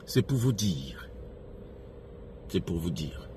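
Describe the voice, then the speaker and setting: A man's voice: low voice, big pitch swings, slow pace. A man from Africa gives impassioned off-the-cuff political commentary, emphatically repeating phrases and posing rhetorical questions to his followers. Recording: noisy recording with background ambience.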